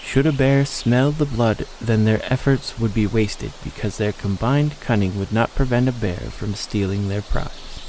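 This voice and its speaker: A man's voice: on the low side, measured pace, few pauses, a little mellow, slight background noise, rough recording. A man reading a scripted story as the narrator of an audio drama. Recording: faint outdoor nature ambience.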